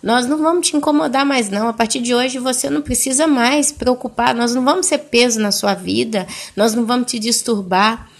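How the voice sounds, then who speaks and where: An earnest, calm young mother who reasons with her own mother, as a woman puts her on in a story. The voice sits fairly high and stays plain and pleading. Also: brisk, hardly any pauses.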